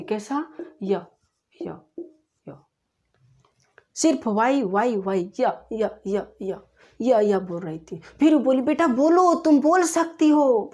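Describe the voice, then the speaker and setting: A woman teacher retelling a story for a class in an animated, repetitive way. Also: on the high side. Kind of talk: storytelling lesson.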